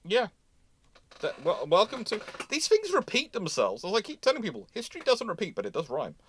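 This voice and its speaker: A man's voice: sits high, wildly swooping pitch, brisk, a crowd in the background. A man hosting a casual live history discussion, giving opinionated, rambling explanations. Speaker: host of a live question and answer show.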